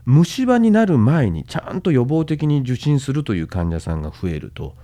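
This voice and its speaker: Guy explaining stuff on a podcast, pitch all over the place, loose and chatty, lots of filler. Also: sing-song, normal speed, mellow. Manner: casual, with many fillers and sentence-final tags; speaks to the listeners directly, encouraging them. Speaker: host and medical management lecturer.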